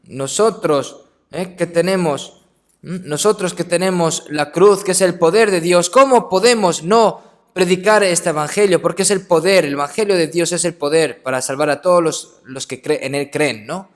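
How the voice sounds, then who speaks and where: Preaching in a chatty, conversational manner, this man often adds brief question tags and eases into a softer, slower tone for stories. His voice is a little high.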